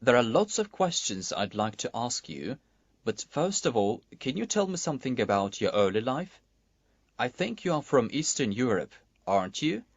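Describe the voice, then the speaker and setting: A man's voice: mid-range voice, moderate pace, no echo. A man playing a polite magazine interviewer in a scripted listening-exam dialogue. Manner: polite, lively questioning. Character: male magazine interviewer, courteous. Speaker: interviewer in a textbook listening recording. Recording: dull lo-fi recording played in class.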